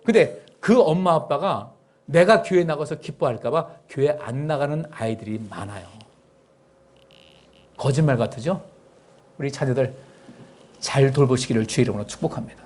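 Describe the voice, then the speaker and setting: A middle-aged male pastor delivering a sermon. His voice is slightly husky and sits at an ordinary pitch. He drops to soft asides, then jumps up high and loud, and coaxes gently when he voices a parent. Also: moderate pace, pauses often. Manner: animated preaching that swings between soft asides and sudden raised, high outbursts; acts out parents' and children's lines in a gentle coaxing tone.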